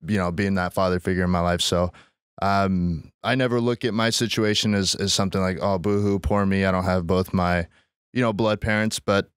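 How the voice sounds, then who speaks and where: A man's voice: deep voice, little pitch movement, brisk, clean tone, no echo. An American man in his twenties, born in Estonia, telling his story casually as a podcast guest on a close microphone. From born in Estonia, raised in the US Pacific Northwest from age six. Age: 20s.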